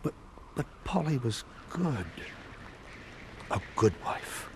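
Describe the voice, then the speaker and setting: A man's voice: mid-range voice, big pitch swings, background noise. Grieving gypsy father, widely swinging voice. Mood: hesitant, solemn. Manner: hesitant, halting. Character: grieving gypsy father, gentle, faltering, turning frantic. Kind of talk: radio drama acting.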